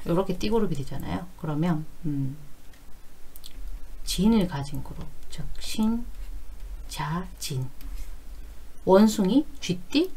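A woman's voice: sits low, dark tone, slightly rough, poor audio. A woman in her forties giving a conversational explanatory lesson, going step by step and repeating key phrases. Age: 40s. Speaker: fortune-telling teacher.

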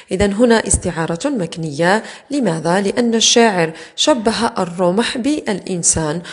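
A woman teacher explaining exam answers in a recorded lesson, methodical and patient, slowing down to repeat key words. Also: medium pitch, slightly rough.

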